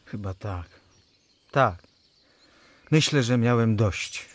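An actor playing a tired, resigned but gently kind man in a radio play, speaking in short, laconic phrases. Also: medium pitch, expressive, slow pace. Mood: weary. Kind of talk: Polish radio play dialogue.

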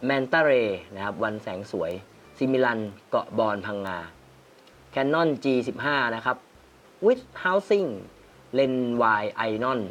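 A man's voice: medium pitch, a bit bright, slight background noise. A man hosting a casual photography-critique livestream, reading viewer comments aloud and laughing often. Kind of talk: casual live chat reviewing viewer photos.

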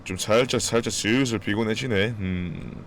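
A man chatting casually with his live-stream audience, joking, swearing freely and breaking into sudden loud outbursts. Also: lowish voice, moderate pace, slight background noise. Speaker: game streamer.

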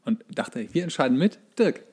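A man's voice: mid-range voice, big pitch swings, normal speed, a little mellow, husky. A man co-hosts a podcast in a jokey, colloquial, rambling way. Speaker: podcast co-host. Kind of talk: casual comedic podcast chat.

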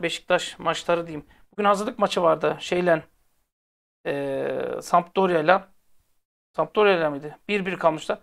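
Speaking with a high-sitting voice and vocal fry, a man running a football fan channel vents casually to his viewers. His tone is blunt, heated, and exasperated as he talks directly to them, repeating phrases for emphasis.

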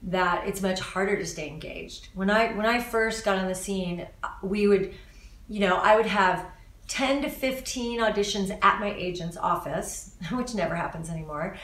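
A woman in her forties from Los Angeles, a voice actor answering interview questions in a casual, animated way with frequent restarts, filmed in a living room. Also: medium pitch, moderate pace. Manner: animated, talks with her hands, many restarts. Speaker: voice actor guest. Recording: roomy, slightly distant sound.

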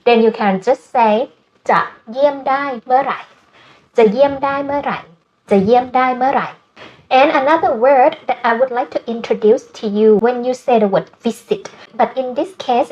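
A woman with a Thai accent, a native Thai speaker, teaching a language lesson and slowly repeating words. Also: high voice, a little mellow, dull audio. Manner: slow, careful repetition of Thai words.

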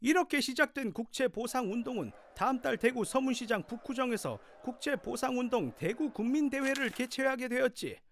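A feisty old grandfather in an audio drama, pitched very high and swinging widely as he scolds and lectures in old-fashioned speech. Faint noise sits behind his animated storytelling. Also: a little fast, few pauses, full character voice. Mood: earnest storytelling.

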